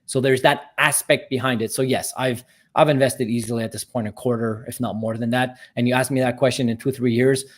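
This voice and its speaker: A man's voice: medium pitch, fairly even intonation, a little fast. A man from Canada with an Armenian heritage, a podcast guest talking enthusiastically, repeating words and tagging lines with "right?". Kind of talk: casual interview talk.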